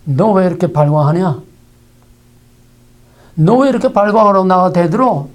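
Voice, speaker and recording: A man's voice: high voice, expressive, normal speed. God as a wounded, grieving husband, voiced by a male preacher. He rebukes sternly, then laments in rolling, repeated phrases. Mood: rebuking.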